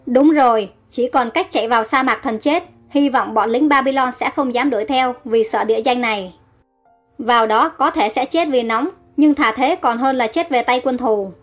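A woman voicing a young, compassionate queen who is on the run and pleads for her loyal soldiers. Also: high voice. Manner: pleading and distressed.

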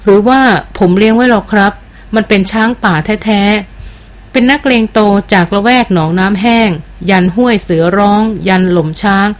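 Woman reading male jungle hunter, seasoned, calm, polite, measured, audiobook adventure, mid pitch. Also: close to an everyday voice. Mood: explaining.

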